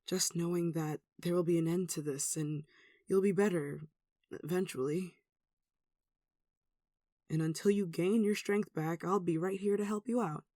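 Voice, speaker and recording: A performer with a mid-pitched voice playing an anxious, devout, caring villager in an earnest, hesitant ASMR roleplay. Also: fairly even intonation, moderate pace, long pauses, dry recording, studio quality, natural voice. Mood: uneasy, tender. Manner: earnest, hesitant, soft sighing delivery. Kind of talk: ASMR roleplay audio drama.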